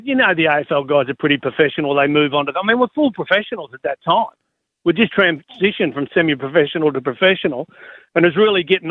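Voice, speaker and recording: A middle-aged Australian man, a former football coach, telling stories as a radio guest in an animated, wry way. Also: on the high side, no room sound. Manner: animated storyteller, wry and fired up. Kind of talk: casual radio interview. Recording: dry tinny phone line.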